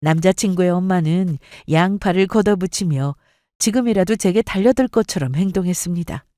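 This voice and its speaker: A woman narrating a dramatic first-person story with expressive storytelling. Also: fairly low pitch, fairly quick, no room sound, clean studio sound. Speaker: story reader.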